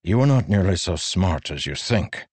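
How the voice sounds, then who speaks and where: A man voicing a stern, burdened middle-aged warlord who speaks in a firm, measured, grave way. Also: deep voice, expressive, darkish tone, husky, no echo, pitched above the performer's own voice. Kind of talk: audiobook character voice.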